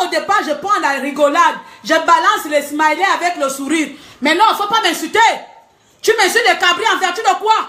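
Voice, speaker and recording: A woman's voice: very high voice, bright, forceful tone. A woman vlogger angrily ranting to the camera at home, scolding her critics and laughing between jabs. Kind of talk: angry rant to camera. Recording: echoey room.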